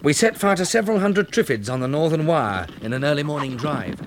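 An actor playing a stoical, dry-humoured British farmer survivor in a 1960s radio drama, clipped and matter-of-fact. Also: male voice, a little high, animated, a little fast, lightly acted. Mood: sober, reflective. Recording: noisy vintage radio drama recording.

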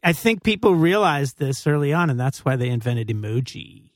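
A man's voice: mid-range voice, big pitch swings, moderate pace, no room sound, clean studio sound. A man co-hosting a casual podcast chat, teasing and laughing easily.

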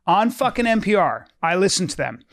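A man's voice: sits high, sing-song, brisk, a bit bright, no room sound, clean studio sound. A man in casual chat, telling stories bluntly, with swearing and many restarts. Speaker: podcast co-host.

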